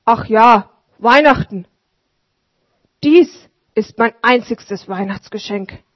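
A humble, raspy old street sweeper from a storybook speaks with shy gratitude, as a woman narrator plays him. He talks slowly and a bit breathily. The sound is dull and lo-fi. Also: a little high, no echo. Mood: grateful. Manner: humble, grateful. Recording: dull lo-fi recording.

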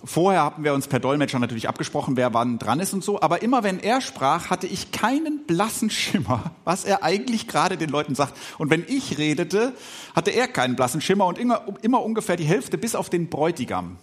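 A middle-aged man who grew up speaking Swiss German, giving a podcast sermon as a pastor. His voice sits a little high for a man and rises and falls a great deal. He talks reflectively, pausing often and filling gaps with soft hesitation sounds. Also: big pitch swings. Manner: reflective, with pauses and filler sounds.

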